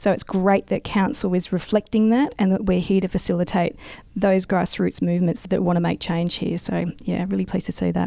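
Speaking at a fairly quick pace with an Australian accent, a woman has a dark, mellow tone, medium pitch and fairly even intonation. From South Australia. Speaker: local councillor and geologist. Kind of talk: casual interview. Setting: in-person interview in Mildura.

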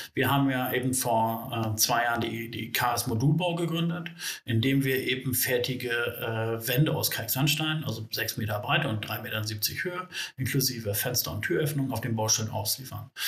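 A man talks at a moderate pace in a medium pitch, with ordinary pitch variation. Room echo is audible, and background noise is noticeable. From northern Germany, Bremen. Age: 40s. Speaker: building materials executive, trained carpenter. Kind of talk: interview.

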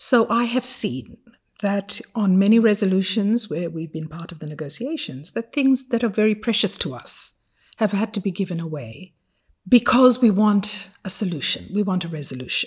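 At a moderate pace, a woman speaks in a somewhat breathy voice at a medium pitch with lively intonation. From Fiji. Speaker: ambassador and former judge. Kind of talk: interview conversation. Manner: formal, articulate.

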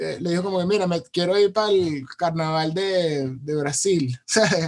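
A man talks in a high-pitched voice with ordinary pitch variation. He leaves hardly any pauses. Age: 30s. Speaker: music label producer. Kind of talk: casual chat.

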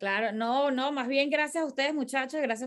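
At a fairly quick pace, a woman speaks with a high pitch and fairly even intonation over a quiet background. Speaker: podcast co-host. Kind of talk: casual chat.

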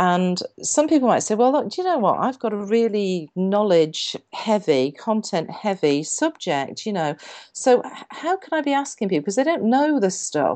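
A woman speaks in a northern English accent at a moderate pace. Her fairly high pitch swings very widely. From northwest England, west of the Pennines. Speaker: corporate trainer, accelerated learning expert. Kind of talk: interview conversation.

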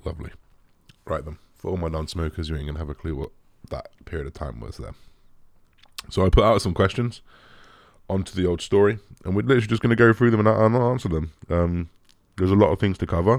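A man with an English accent, very deep and low in pitch, talking very fast with long, frequent pauses and big swings in loudness, on a very clean recording with a silent background. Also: lively intonation. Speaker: podcast host. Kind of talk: casual solo chat. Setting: home studio.

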